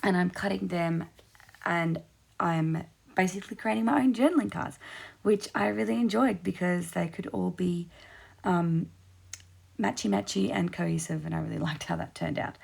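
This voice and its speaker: Casting: Australian woman, informal craft host, lowish voice, hoarse and husky as if it is giving out. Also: normal speed, darkish tone. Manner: chatty, informal. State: hoarse, losing her voice. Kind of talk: casual process voice-over.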